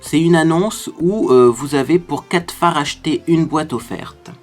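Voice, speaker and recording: A man's voice: fairly high pitch, measured pace, soft background music. A man hosting a makeup tutorial, chatting to viewers as he explains each step. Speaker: beauty tutorial host. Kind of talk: casual makeup tutorial talk.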